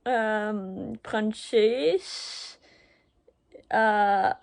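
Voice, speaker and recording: A young woman with a German accent speaks slowly in halting beginner sentences, with frequent pauses, fillers and self-corrections, and laughs often. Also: medium pitch, creaky. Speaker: language learner. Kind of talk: unscripted video message to her boyfriend.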